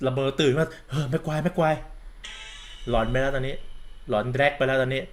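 A man's voice: mid-range voice, little pitch movement, fast, slight background noise. A campy man gives a sarcastic, crude-mouthed football commentary rant, calling himself big sister. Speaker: football vlogger.

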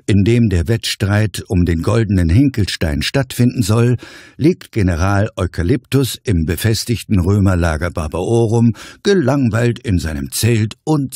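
A man playing a measured, solemn storyteller and elder in a comic audio drama, with a husky voice. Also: lowish voice, mellow, no echo. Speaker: narrator and druid.

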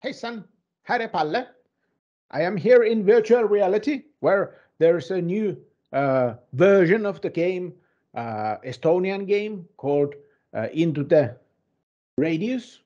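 A man's voice: high-pitched, expressive, a little slow, highs cut off, voice pushed up. A man playing a bumbling, easygoing gaming correspondent, rambling hesitantly through a comic news report.

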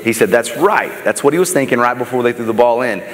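A man's voice: mid-range voice, lively intonation, quick pace. A middle-aged American man giving a motivational keynote, telling stories in an emphatic, dramatic and conversational way. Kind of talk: animated stage storytelling. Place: large stage in an auditorium, indoors. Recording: echoey hall, noticeable background noise.

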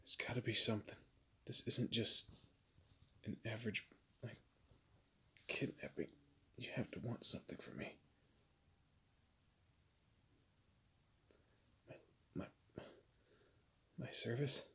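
A man playing a weary, wry kidnapped guy in a roleplay audio drama, speaking haltingly and conversationally. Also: mid-range voice, sharp tone, husky, full character voice. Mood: resigned, uneasy. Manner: hesitant, halting, sardonic.

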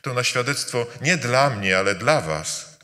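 A man preaching a sermon during a church service, speaking emphatically with rhetorical repetition, rising to loud calls and dropping to quiet, intimate lines. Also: mid-range voice, animated, a little slow. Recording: reverberant church hall.

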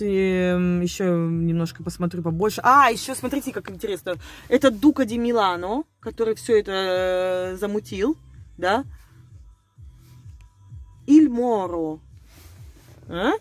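A woman thinks aloud to her viewers in a loose, conspiratorial monologue, often breaking off mid-word and repeating herself as she turns words over. Her voice sits at a middle pitch. The recording is dry and close, with no room echo. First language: Russian. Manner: rambling, hesitant, breaks off words and repeats them. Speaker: video blogger. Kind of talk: casual speculative monologue to viewers.

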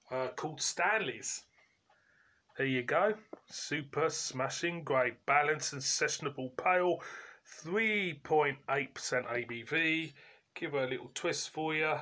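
A man, giving a casual, chatty review in colloquial, halting phrases as host. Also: on the high side, a bit bright. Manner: informal, colloquial, pauses mid-sentence. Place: indoors, living room at home.

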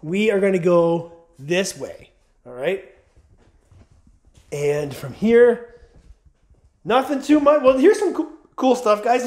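A man's voice: high voice, a little mellow. A man in his forties with a runny nose, chatting casually to viewers as he explores an empty abandoned house on a handheld camera. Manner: chatty, keeps addressing viewers as guys. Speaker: urban explorer vlogger. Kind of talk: casual walkthrough narration.

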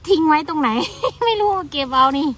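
A young woman with an Isan Thai accent, chatting casually and excitedly to viewers while foraging outdoors, full of exclamations. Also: high-pitched, normal speed. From Isan, Thailand. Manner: exclamatory, excited, mixing in dialect. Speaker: vlogger, forager. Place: outdoors in a leafy forest. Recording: noisy outdoor phone-video sound.

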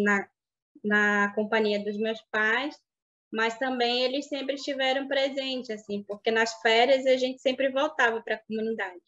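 A woman in her thirties whose first language is Baniwa, telling her life story in an interview, reflective and halting, over a video call. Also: fairly high pitch. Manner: reflective, halting with restarts and soft fillers. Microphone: webcam on video call. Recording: dull lo-fi video call audio.

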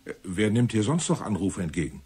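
An actor playing a seasoned police commissioner in a German radio play, businesslike but considerate, with measured questioning. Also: male voice, fairly low pitch, sing-song, darkish tone, breathy edge, heavily acted. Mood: brisk questioning.

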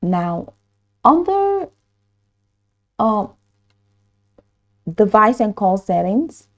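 A woman narrating a step-by-step software tutorial in an instructional manner, hesitant in places. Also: mid-range voice, very animated, extremely slow, lo-fi sound. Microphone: voice-over for screen recording.

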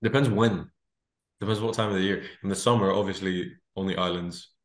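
Teen guy on an echoey video call. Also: sits low. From Greece. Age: teens. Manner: animated, quick, full of restarts and laughter. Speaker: guest singer. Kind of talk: casual video-call interview. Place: small room indoors.

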